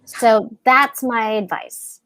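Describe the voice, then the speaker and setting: A woman with a squeaky voice that sits a little high speaks over a video call. She gives career advice in an encouraging way and laughs easily. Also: slow pace, a bit bright, a little hiss or hum. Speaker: guest actress.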